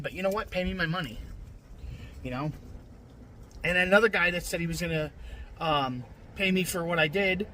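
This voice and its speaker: A man's voice: on the high side, bright, forceful tone, a little hiss or hum. A man talking casually on his vlog, blunt and venting, swearing freely and restarting his sentences often. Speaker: scrap-metal vlogger. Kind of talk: casual rambling vlog talk.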